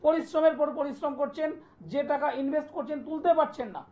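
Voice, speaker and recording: A man, an astrologer hosting a live TV call-in show, delivering an insistent, repetitive pitch and taking callers' details. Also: fairly even intonation, fast. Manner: insistent, repetitive sales pitch, listing place names. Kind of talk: live TV promotional talk and phone call-in. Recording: dull lo-fi broadcast sound.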